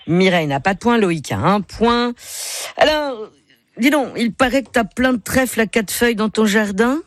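A radio game show host with chatty, teasing banter and theatrical slow-downs when reading out questions. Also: medium pitch, expressive, dry recording. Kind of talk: radio quiz hosting, playful banter. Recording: music bed behind the voice. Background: music.

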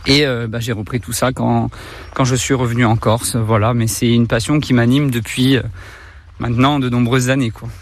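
A man's voice: mid-range voice, flat delivery, moderate pace. A middle-aged man from Corsica, a zoo director, talks while walking outdoors through the park, hesitant with many fillers and restarts. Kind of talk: interview on a walking tour.

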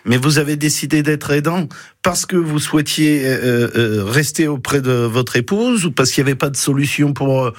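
A man's voice: fairly high pitch, normal speed, no room sound, clean studio sound. A man hosting a radio interview, chatty, with frequent short responses. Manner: conversational, frequent backchannels. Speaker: radio host.

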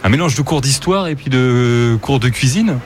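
A man's voice: mid-range voice, expressive, moderate pace, darkish tone. A man reports live for radio, chatty and enthusiastic. He stands inside a shop, with faint room noise around him. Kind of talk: on-location radio interview. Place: ice cream shop.

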